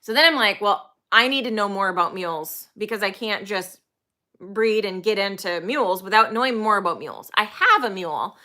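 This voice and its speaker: Here a channel host in her forties who trains horses talks casually to camera about her animals, full of ums and enthusiasm. Her voice sits at medium pitch, moves at a moderate pace, and comes across pushed, bright, and emphatic.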